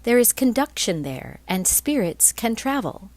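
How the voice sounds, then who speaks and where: A woman reading a spiritual text aloud as scripted narration, in measured phrases with deliberate pauses. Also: a little high, very animated, a little mellow, no room sound. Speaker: reader of a spiritual blog.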